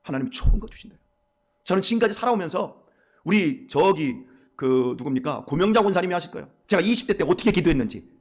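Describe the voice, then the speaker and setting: A middle-aged man who is a pastor, preaching a dawn sermon in a church in an animated storytelling way, playing out conversations in a lowered voice. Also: fast talker. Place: church sanctuary.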